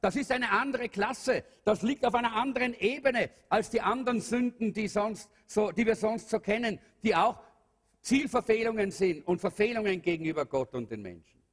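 High-voiced husky preacher in a hall. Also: male voice, animated, normal speed. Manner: earnest preaching with fillers and rhetorical questions. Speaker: pastor. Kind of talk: sermon. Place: church hall. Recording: long hall reverb.

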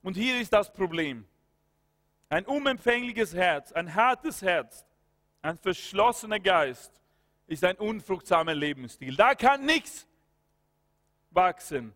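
Male preacher, sermon, fervent with hallelujahs and amens, high voice, long hall echo. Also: very animated, takes it slowly, long pauses, a bit bright. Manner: breaks into spoken prayer and commands.

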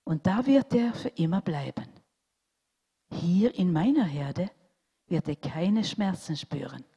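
A woman voicing God as a calm shepherd, speaking softly, slowly and in a hush. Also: on the low side, vocal fry, slightly rough, muffled recording, full character voice. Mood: gentle. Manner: soft, slow and hushed. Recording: long hall reverb.

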